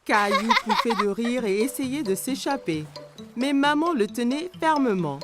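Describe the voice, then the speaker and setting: A woman's voice: on the high side, expressive, a little slow, over loud music. A woman reads scripted children's story narration for a cartoon.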